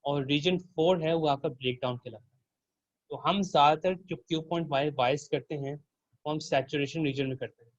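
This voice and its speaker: A man's voice: a little high, steady tone, normal speed, no echo, highs cut off. A man working as a teaching assistant, walking students through a circuit simulation and quizzing them with questions.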